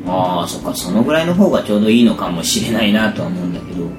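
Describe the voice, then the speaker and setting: Fast-talking man with a hoarse rasp. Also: fairly low pitch, sing-song. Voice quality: hoarse, gravelly rasp from overused voice. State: hoarse after a day of shouting karaoke. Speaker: recording show host. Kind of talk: casual chat. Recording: echoey room with music behind. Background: background music.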